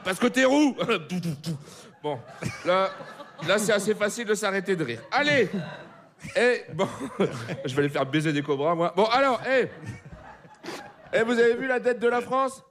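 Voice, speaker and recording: A man's voice: high-pitched, lively intonation, unhurried, long pauses, a bit bright. A man delivering a live comic radio chronicle, rowdy and swearing, laughing at his own jokes, in a studio before an audience. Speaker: comedy columnist.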